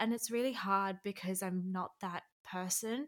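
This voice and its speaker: A woman with an Australian accent at a fairly slow pace, in a very clean recording with a silent background. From Sydney, Australia. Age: 20s. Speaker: guest sharing experiences of living abroad. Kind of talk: casual chat.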